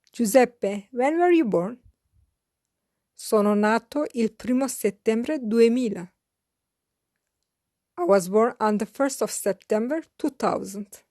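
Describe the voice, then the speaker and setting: Woman teacher, slightly high voice, deliberate drill pacing. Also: a little mellow, no echo, clean studio sound. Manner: slow, careful enunciation with repeated phrases. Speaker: language teacher. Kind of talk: slow scripted language lesson.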